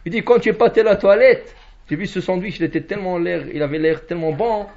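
A man giving a Torah lesson as a lively storyteller, acting out the characters' lines. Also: high voice, fast talker. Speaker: rabbi. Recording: dull lo-fi recording.

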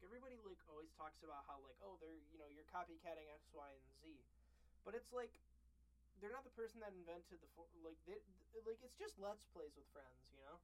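A woman's voice: fairly low pitch, poor audio. A woman co-hosting a podcast, asking curious questions in casual chat. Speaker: podcast co-host.

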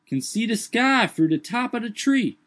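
A man's voice: extremely high pitch, animated, moderate pace, a bit bright, voice pushed up. A man voicing a fretful old manservant, speaking in a thick old-fashioned dialect in a strained, raised voice. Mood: calling down. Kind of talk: audiobook character voice.

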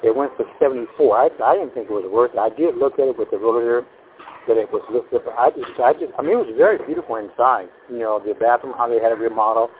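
Older male home seller, sixties, halting and wordy, phone-quality audio. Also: mid-range voice, slight background noise. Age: 60s. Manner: rambling, halting with many fillers and restarts. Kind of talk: casual phone conversation. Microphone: telephone. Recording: tinny phone line.

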